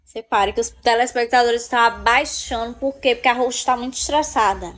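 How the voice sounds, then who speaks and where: A woman's voice: on the high side, a little fast, a bit bright. A young woman hosting a casual live stream, chatting playfully with viewers and laughing often. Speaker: livestream host.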